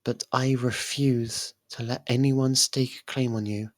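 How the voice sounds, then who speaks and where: A performer voicing a possessive, lovestruck young faerie royal in an intimate ASMR roleplay, soft and halting, tender and clingy. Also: mid-range voice, fairly even intonation, close to an everyday voice. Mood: tender, protective.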